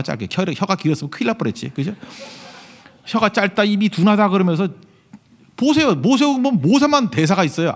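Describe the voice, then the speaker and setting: A middle-aged male pastor preaching a sermon, joking and mimicking biblical figures as he goes. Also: sits high.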